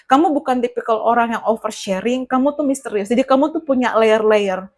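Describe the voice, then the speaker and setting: A woman's voice: fairly high pitch, fairly quick, darkish tone. Chatty woman giving a tarot reading. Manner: chatty and rambling, addresses the listener as "you". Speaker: tarot reader. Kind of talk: casual tarot reading to the viewer.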